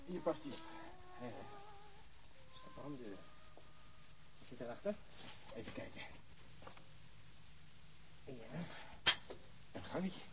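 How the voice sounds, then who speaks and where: A man's voice: medium pitch, lively intonation, slow, long pauses. An actor playing a man cautiously searching a building in a radio drama, muttering terse observations to himself. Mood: cautious, concentrated. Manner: terse muttering in short fragments. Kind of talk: radio drama, murmuring to oneself while searching.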